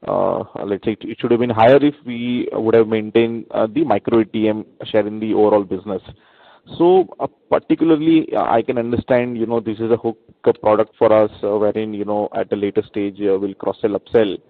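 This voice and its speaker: A fairly deep male voice with an Indian accent, heard dry over a narrow telephone connection. He is an analyst putting questions on a conference call in a polite, hesitant way. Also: brisk, vocal fry. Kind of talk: earnings call question, unscripted. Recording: narrow phone line with some room echo.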